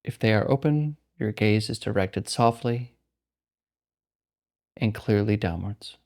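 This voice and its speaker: Speaking in a lowish voice, a man leads a guided meditation as the teacher. He stays calm and unhurried throughout, letting long pauses stretch out.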